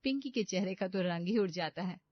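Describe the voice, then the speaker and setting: A woman's voice: medium pitch, animated, a little fast. A woman giving scripted storytelling narration for a cartoon. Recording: dull lo-fi dry recording.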